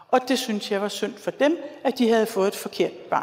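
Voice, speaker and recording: Noticeable background noise accompanies the clip. A woman speaks at a fairly high pitch with ordinary pitch variation. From Denmark, north of Copenhagen. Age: 60s. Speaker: speaker on abuse survivor experience. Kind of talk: lecture. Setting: church.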